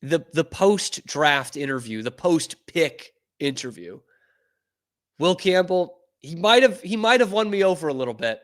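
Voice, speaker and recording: A man from New England hosting a sports show, talking casually and getting excitable and profane. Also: on the high side, measured pace.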